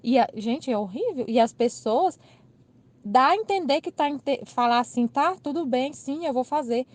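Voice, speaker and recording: A Brazilian woman telling a personal anecdote in a casual, animated way, acting out the people in it and laughing at herself. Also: high voice, moderate pace, no room sound. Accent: Brazilian Portuguese. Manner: animated, laughing retelling with quoted dialogue. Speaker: channel host. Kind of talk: casual storytelling.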